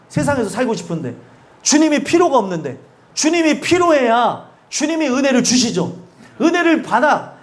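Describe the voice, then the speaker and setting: A male pastor giving an emphatic, conversational sermon and often asking the congregation questions. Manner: acts out quoted speakers with sudden drops in pitch and loudness.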